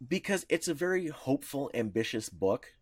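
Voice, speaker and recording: A man's voice: mid-range voice, sing-song, moderate pace, dry recording. Man, podcast co-host, eager rambling explainer, medium voice, dead dry booth. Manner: rambling, enthusiastic, many restarts. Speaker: co-host explaining comics history. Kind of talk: casual podcast chat.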